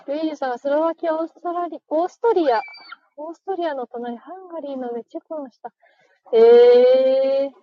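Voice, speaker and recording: A woman's voice: high voice, brisk, dry recording, lo-fi sound. A woman hosting a casual live stream, chatting, laughing and reading listener comments aloud as she thanks each viewer. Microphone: phone.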